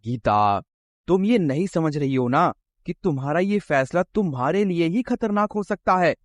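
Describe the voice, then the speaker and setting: A man's voice: on the high side, animated, moderate pace, dry recording, natural voice. A man voicing a sensible farmer husband in a cartoon story who warns and lectures his wife. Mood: warning. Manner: lecturing, cautioning.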